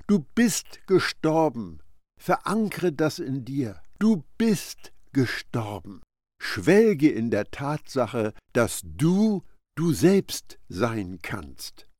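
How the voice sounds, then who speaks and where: A man's voice: a little high, a little mellow, no echo, studio quality. A man preaching a Bible commentary, speaking emphatically and addressing the listener directly. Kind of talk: sermon-style Bible commentary.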